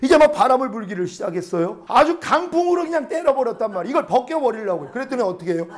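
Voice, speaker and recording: A male pastor delivers his sermon in a strikingly high voice. His pitch leaps and falls freely as he tells stories and asks rhetorical questions. He swings between loud, emphatic lines and hushed asides. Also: very animated, fast. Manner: storytelling with frequent rhetorical questions.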